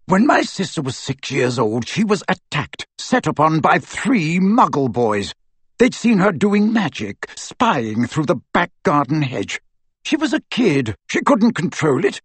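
Storybook old wizard as a man acts him out: cynical, gruff, husky, pitched up and scornful. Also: very animated, unhurried, no room sound, exaggerated voice. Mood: bitter, heated. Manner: rough, terse, scornful.

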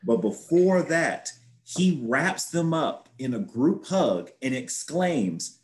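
A man's voice: fairly high pitch, lively intonation, slow pace, a little mellow. A man co-hosting a casual podcast, playful and teasing. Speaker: podcast co-host. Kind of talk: casual chat. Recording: roomy echoey sound.

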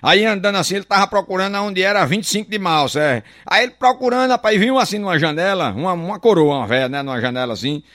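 A man with a northeastern Brazilian accent telling a string of jokes in a lively storyteller manner. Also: high-pitched, fast, few pauses, no echo, clean studio sound. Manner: lively storyteller, shouts a catchphrase between jokes. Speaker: joke teller.

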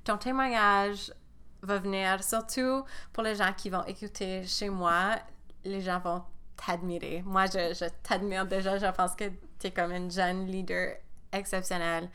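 A woman's voice: mid-range voice, level tone, measured pace, bright, forceful tone, clear, resonant tone. A woman who hosts a podcast and works as an educator, asking reflective questions and encouraging her guest. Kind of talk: podcast interview.

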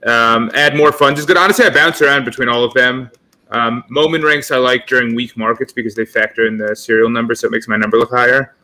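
A man's voice: medium pitch, fairly even intonation, fast, pushed and bright. A man in his thirties co-hosting a casual podcast, talking with dry, wry humor. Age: 30s. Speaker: podcast co-host.

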